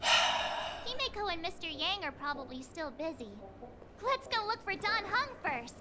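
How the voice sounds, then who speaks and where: A woman voicing a perky, earnest young girl adventurer in an anime-style video game, chatty and expressive. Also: very high voice, a little slow, very noisy, heavily acted. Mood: wary.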